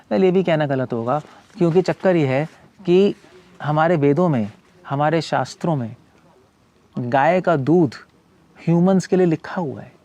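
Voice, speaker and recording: A man's voice: on the high side, warm tone. A man, a monk who was once a medical doctor, giving a casual explanatory talk in a conversational way, often repeating words and restarting, and mixing English terms in. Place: cow shelter owner speaking from his farm community.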